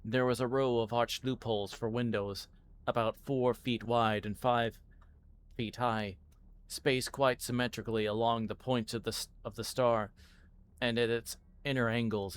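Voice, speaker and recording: A man reading a story aloud live in audiobook style, halting now and then and stumbling over words. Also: lowish voice, smooth.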